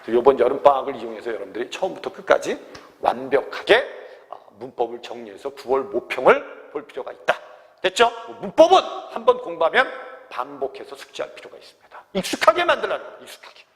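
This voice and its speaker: A man's voice: medium pitch, sing-song, quick pace, a bit bright, big-room sound. A man teaching an exam grammar lecture to students. He keeps checking whether they have understood, and he calls himself "teacher". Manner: constant check-ins asking if students understood; refers to himself as teacher in third person. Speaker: Korean language teacher.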